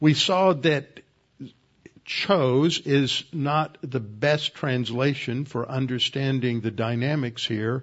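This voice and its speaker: Speaking at a very slow pace, a man has a Southern US accent. His pitch sits in the medium range. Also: ordinary pitch variation. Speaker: pastor. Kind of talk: sermon. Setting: church.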